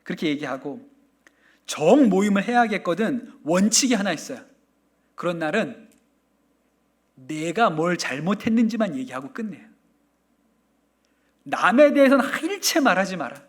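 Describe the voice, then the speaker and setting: High-voiced, lively Korean pastor preaching. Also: male voice, moderate pace, pauses often, breathy edge. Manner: animated storytelling with playful asides and mock quotes. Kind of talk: sermon.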